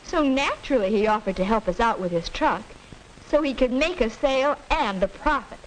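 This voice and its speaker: A young woman playing a pointed, skeptical high school student debating, in 1940s educational film acting, on a hissy old film soundtrack. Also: expressive, normal speed, natural voice, low-quality recording. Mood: arguing. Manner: pointed, arguing.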